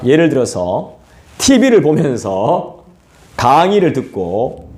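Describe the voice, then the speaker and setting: Animated pastor preaching in echoey hall. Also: male voice, medium pitch, slight background noise. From South Korea. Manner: lively, colloquial, acts out scolding voices and asides to the congregation. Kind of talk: expository sermon. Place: church sanctuary.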